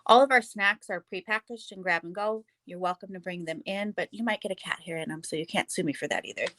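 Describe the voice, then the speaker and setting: A woman's voice: lowish voice, fast, a bit bright. A woman from Wisconsin with a Wisconsin accent, answering interview questions about her cat cafe in a plainspoken, matter-of-fact way with dry humor.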